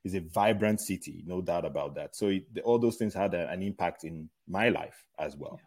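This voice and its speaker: This is a middle-aged man from Nigeria with a Nigerian accent and a very deep voice. He speaks as an interview guest, rambling through his thoughts with plenty of fillers and restarts. When he tells stories he grows more animated. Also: normal speed, husky. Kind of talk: casual interview chat.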